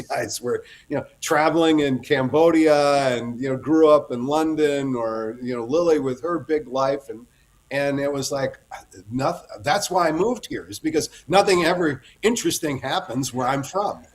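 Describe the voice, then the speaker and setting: Middle-aged guy guest author, rambly storyteller, keeps restarting his sentences, medium pitch. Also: normal speed. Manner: rambling anecdotal storyteller, self-interrupting. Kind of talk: casual interview chat.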